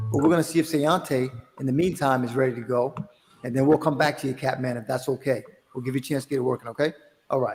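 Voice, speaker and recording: Music in the background under a man's medium-pitched voice, very fast and fairly even in intonation. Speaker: open mic host. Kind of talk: casual chat.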